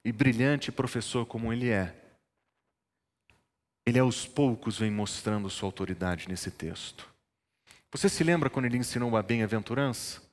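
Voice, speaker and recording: A man's voice: mid-range voice, moderate pace, long pauses. Preaching man in a reverberant church. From northern Brazil. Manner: storytelling, rising to emphatic preaching. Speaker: pastor. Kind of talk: sermon.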